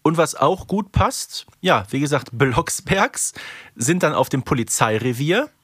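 A man's voice: on the high side, lively intonation, unhurried, fairly bright tone, husky, dry recording, clean studio sound. A man co-hosting a podcast in casual chat. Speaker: podcast co-host.

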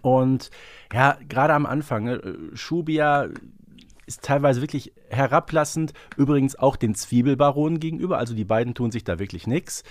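A man's voice: medium pitch, moderate pace, dry recording. Man hosting a podcast, dry close sound. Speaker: podcast host. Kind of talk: conversational fan discussion.

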